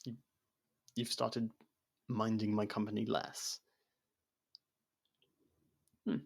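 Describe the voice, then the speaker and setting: Low, gravelly, guarded ex-con played by a man. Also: level tone, slow, exaggerated voice. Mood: teasing. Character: abrasive ex-fugitive male murderer turned protective investigation partner. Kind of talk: intimate ASMR roleplay audio drama.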